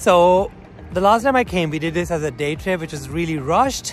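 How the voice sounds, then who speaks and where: Speaking at a moderate pace with a high pitch, a man is heard in a dry recording with no echo and light background noise. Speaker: travel vlogger. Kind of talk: casual vlog chat. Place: street. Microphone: phone near.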